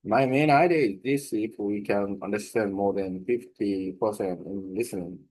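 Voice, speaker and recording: A man with a Korean accent, a native Korean speaker, reading a prepared text aloud slowly and deliberately, pausing and correcting himself as he shares his language-learning method. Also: on the low side, a little mellow, rough recording. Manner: slow, deliberate reading with pauses and self-corrections.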